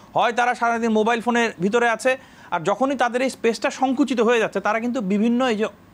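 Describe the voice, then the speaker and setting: Extremely high in pitch, a man speaks with fairly even intonation. His loudness stays very even. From Dhaka, Bangladesh; Bangladesh. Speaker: politician, member of parliament; politician. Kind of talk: TV political interview. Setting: TV studio. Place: studio.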